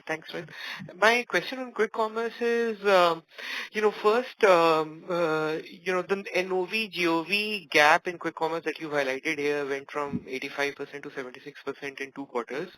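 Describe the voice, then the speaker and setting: A man asking questions as a financial analyst on an earnings call, with halting starts. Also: on the high side, sharp tone, poor audio.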